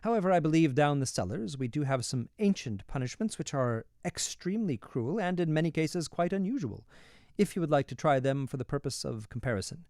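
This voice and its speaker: A man acts out an urbane male ruler from a storybook in an American accent, close and dry in sound. He speaks in a measured, ironic way, polite on the surface and coolly threatening underneath. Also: on the high side, expressive, a little mellow, dry recording, voice pushed up. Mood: calm menace. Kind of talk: storybook dialogue read aloud.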